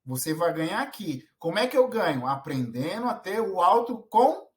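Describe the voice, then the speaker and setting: A man from Brazil gives parenting advice straight to camera in a casual, earnest way. He often restarts his sentences and fills pauses as he goes. His voice sits fairly high for a man. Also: very animated. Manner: earnest, many restarts and filler words. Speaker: parenting vlogger.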